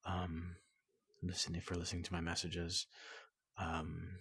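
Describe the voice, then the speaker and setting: A man speaking softly and hesitantly in an unscripted, hushed and slightly apologetic sign-off as an ASMR creator. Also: sits low, completely flat delivery, a little slow, gravelly, husky, dry recording. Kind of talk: soft-spoken unscripted ASMR outro. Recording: noticeable background noise.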